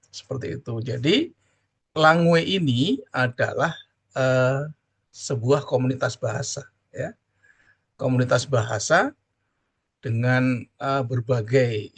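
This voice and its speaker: Gravelly man lecturing. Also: medium pitch. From Java. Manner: drawn-out explaining with constant "ya" tag questions. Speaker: university lecturer. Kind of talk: online class lecture.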